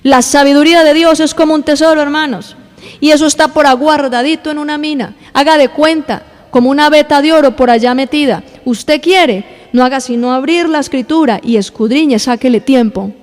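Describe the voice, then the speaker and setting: A woman pastor delivers a sermon and turns often to the congregation, telling them what to say to the person beside them. Her voice sits high. A long church reverb trails behind every phrase. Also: fairly quick. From Colombia. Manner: addresses the congregation directly, acts out little scenes. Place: church hall.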